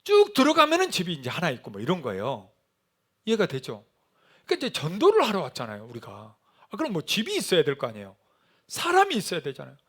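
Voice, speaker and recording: A middle-aged male pastor preaching a sermon, telling a mission story with animated storytelling and acted-out shouted quotes. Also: high voice, quick pace.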